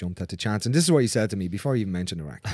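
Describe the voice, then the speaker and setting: Speaking with an Irish accent, a man has a fairly low pitch, a dark, mellow tone and ordinary pitch variation. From Ireland. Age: 40s. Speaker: physical therapist and aid worker. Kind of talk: casual chat. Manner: animated.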